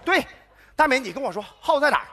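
A man's voice: extremely high pitch, very animated, fast, fairly bright tone, a little hiss or hum, exaggerated voice. An actor playing a flustered neighborhood man hunting a rat, ranting in a stage comedy sketch. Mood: lecturing. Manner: exasperated ranting, repeats himself. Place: television gala stage.

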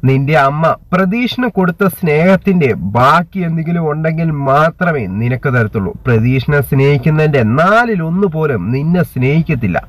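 A bitter, manipulative aunt who taunts and insists in a retold family drama, read out by a man. The voice sits a little high and sounds close and dry, with no room around it. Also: animated, fairly quick, few pauses, no room sound. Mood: taunting. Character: scheming middle-aged aunt, bitter and manipulative.

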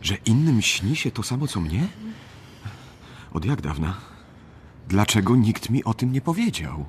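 Bewildered, courteous everyman for radio drama: deep, animated male voice. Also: measured pace, slight background noise. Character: bewildered, polite male bookseller, reluctant dream celebrity.

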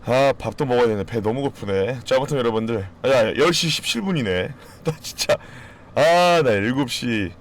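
A man chatting casually with his live-stream audience, joking, swearing freely and breaking into sudden loud outbursts. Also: mid-range voice, lively intonation, moderate pace. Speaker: game streamer.

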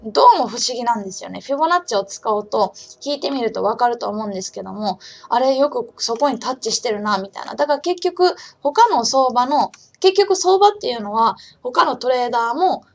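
Speaking a little fast with few pauses, this trading channel host has a fairly high, creaky voice and lively intonation. She runs her live-streamed lesson casually, chatting to herself, reading the chat aloud, and calling herself by name in the third person while her sore throat is still recovering.

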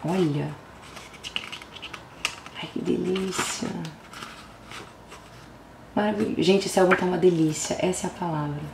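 A woman's voice: on the low side, steady tone, measured pace, vocal fry, pauses often. Gushing Brazilian woman in a roomy space. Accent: Brazilian Portuguese. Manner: gushing and exclamatory, slips into hushed whispers and sudden squeals. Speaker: vlogger. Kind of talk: album unboxing chat. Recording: roomy echo, faint background noise.

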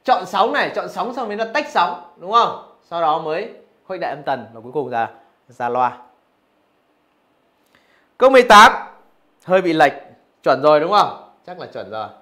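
A man's voice: fairly high pitch, big pitch swings, normal speed, pauses often, pushed and bright. A male physics teacher going through exam answers, asking his students rhetorical questions as he explains. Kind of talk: exam review lesson.

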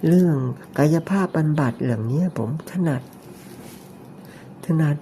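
A man narrating an ear-cleaning demonstration, talking in a deliberately raised, soft, falsetto-like voice with chatty, joking asides. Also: a little hiss or hum.

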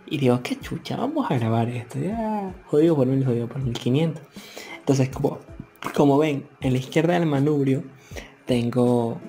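Young man, gravelly, mellow tone, relaxed voice-over, faint music behind. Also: medium pitch, moderate pace. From Ecuador. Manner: wry, casual, uses local slang. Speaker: motovlogger.

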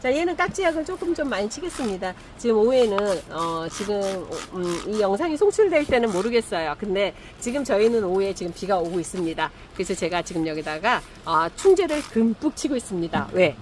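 A middle-aged woman chatting casually while repotting succulents, animated and full of fillers. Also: medium pitch, a little fast, few pauses, a little hiss or hum. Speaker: succulent grower and seller. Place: outdoor or greenhouse setup, rain in afternoon.

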